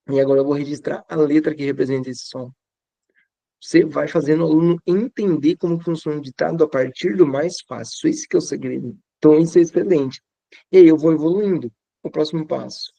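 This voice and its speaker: A male teacher with a Brazilian Portuguese accent shares classroom tips with fellow teachers in a conversational way, repeating phrases for emphasis. His voice is on the high side, warm, with vocal fry, and there's no echo.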